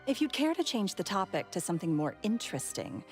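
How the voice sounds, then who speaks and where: A woman's voice: mid-range voice, very animated, fairly quick, soft background music, lightly acted. A woman playing a cunning, composed villainess in a video game, poised and sardonic in her delivery. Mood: cool, haughty. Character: Gemma, cunning composed female villain, coolly mocking.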